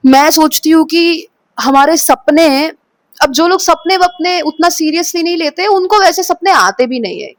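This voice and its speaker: Brief: woman vlogger, high voice, dry close sound, dramatic storytelling, drops in English phrases. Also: moderate pace, dry recording. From Kolkata, India. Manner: dramatic, expressive retelling of a dream. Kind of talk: storytelling vlog.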